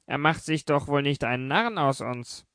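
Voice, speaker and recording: A man reads a stern, middle-aged male office manager in an audiobook. His questions come out curt and suspicious, a little higher than the narration. The voice is close-miked and dry. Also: animated, moderate pace, a bit bright, dry recording.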